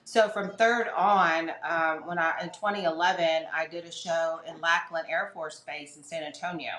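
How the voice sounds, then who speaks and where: Middle-aged woman, podcast guest, chatty and rambling, low voice, echoey room. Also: fairly even intonation, moderate pace, a bit bright. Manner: chatty, many fillers and restarts. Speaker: podcast guest, fitness competitor. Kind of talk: casual storytelling interview.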